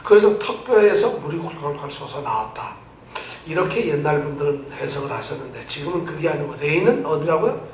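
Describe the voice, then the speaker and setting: Pastor guy preaching, high voice, keeps quizzing the crowd, far-off mic in a big echoey church. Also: fairly quick, a little hiss or hum. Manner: animated preaching, quizzes the congregation and repeats phrases. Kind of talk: sermon. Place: church sanctuary.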